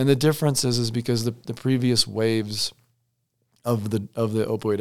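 On a very clean recording with a silent background, a man with an American accent talks fairly quickly at a fairly low pitch. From US Midwest, Indiana. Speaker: county coroner, forensic pathologist. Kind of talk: interview.

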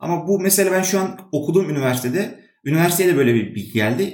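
This man talks at a very fast pace with hardly any pauses. His high voice swings very widely in pitch, and audible room echo surrounds it. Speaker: graduate student and SAP consultant. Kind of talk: interview. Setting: remote call.

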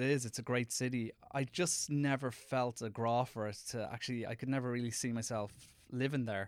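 Spoken with an Irish accent, the recording is very clean, with a silent background. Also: man. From Ireland, Dublin. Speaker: actor and director. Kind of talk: casual chat. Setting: studio.

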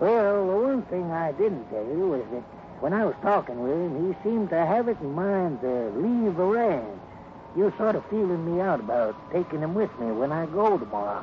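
A man puts on a gruff, drawling character voice with a Western US accent, pitched high. He keeps to a moderate pace. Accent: rural Western, says ain't and dang it. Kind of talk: 1950s juvenile radio Western. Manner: folksy drawl, turns gruff and harsh on the trail.

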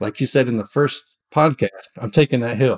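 The man's voice has a fairly high pitch and a dark, mellow tone. The sound is dry and close with no echo, on a very clean recording with a silent background. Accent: American. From US Midwest, Iowa. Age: 40s. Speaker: fitness program participant, father. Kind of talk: interview.

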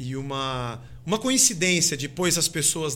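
Male speech with background music and audible room echo. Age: 50s. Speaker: pastor and rock musician. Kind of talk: casual chat.

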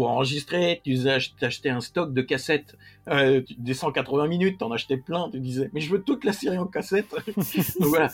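With an unremarkable speaking voice, a man talks at a moderate pace and fairly high pitch, with ordinary pitch variation. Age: 30s. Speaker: YouTuber and fan guest. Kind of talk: casual interview.

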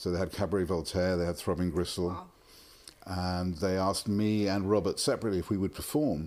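This man's pitch is very deep and low. He talks at a fairly quick pace with fairly even intonation. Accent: London. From London. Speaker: electronic musician. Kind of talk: interview. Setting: festival. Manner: halting.

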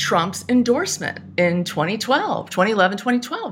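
A woman is speaking. Her tone is bright and sharp. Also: very clean recording, silent background. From New York, later Wisconsin. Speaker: journalist and author. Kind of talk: political interview conversation.

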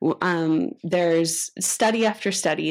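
In a very clean recording with a silent background, a woman speaks in a normal speaking voice, fairly low in pitch, with ordinary pitch variation. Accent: American. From Texas, Houston. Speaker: higher education policy director. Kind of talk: interview.

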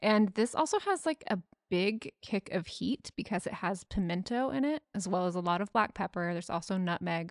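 A woman at a moderate pace, in a dry, close sound with no echo against a quiet background. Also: medium pitch for a woman, lively intonation. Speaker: podcast co-host, fragrance reviewer. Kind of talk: casual chat. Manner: low energy.

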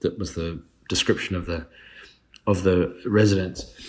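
In an Australian accent, a man speaks at a moderate pace with a very deep, low pitch and fairly even intonation. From Australia, Melbourne. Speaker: cinematographer. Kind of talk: interview. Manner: repetitive stammering starts.

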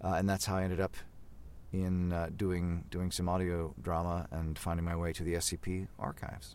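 Pitched very deep and low, a man speaks at a moderate pace with fairly even intonation and very even loudness. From Canada. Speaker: voice actor. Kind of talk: casual interview chat.

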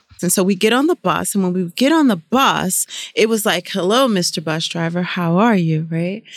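A woman's unremarkable speaking voice at a medium pitch, with ordinary pitch variation at a moderate pace, on a very clean recording with a silent background and a dry, close sound with no echo. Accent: American. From New York City (Harlem and the Bronx). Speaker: learning and development executive, former professor. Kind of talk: interview.

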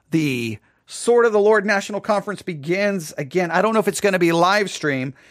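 With an American accent, a man's voice moves through very wide pitch swings. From West Texas. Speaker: theology podcast host. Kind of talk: solo podcast commentary. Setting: studio. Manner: halting, with frequent restarts.

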